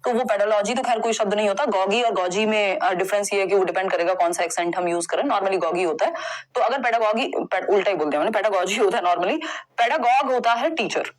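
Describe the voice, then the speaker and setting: A young woman teaches an online exam-prep lesson, explaining test answers in a conversational, reassuring way and mixing in English terms. Her voice is medium-pitched and she talks fast, on a rough recording.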